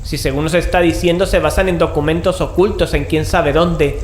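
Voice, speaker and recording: A man's voice: on the high side, steady tone, moderate pace, lightly acted. An actor playing a sceptical male investigator who questions strange claims in a horror audio drama. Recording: roomy echo, faint noise.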